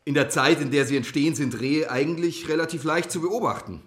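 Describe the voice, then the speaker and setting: A man's voice: on the high side, a little fast, fairly bright tone, lightly acted. An actor playing a genial activist giving a talk, teasing his audience with questions and wry innuendo in a radio drama. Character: genial, teasing male activist lecturer on crop circles. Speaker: guest speaker. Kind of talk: naturalistic German radio crime drama. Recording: echoey room, audience murmur behind.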